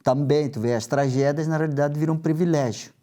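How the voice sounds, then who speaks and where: A man's voice: a little high, a little fast, mellow. An older man from Angola, a lawyer guest, talking in a joking, ironic way in a studio interview.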